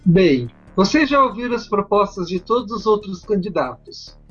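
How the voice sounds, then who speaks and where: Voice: mid-range voice, big pitch swings, normal speed, husky. Brazilian voice for a parody stump speech, lo-fi online sound, music faintly behind. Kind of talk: mock political campaign speech.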